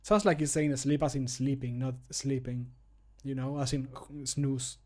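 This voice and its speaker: A man's voice: medium pitch, flat delivery, measured pace, darkish tone. A man in his thirties chatting casually and playfully on a livestream, rambling as he works, close to the microphone. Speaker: streamer recording mod voice lines. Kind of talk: casual livestream commentary while working. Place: small home room with computer. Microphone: close desk microphone.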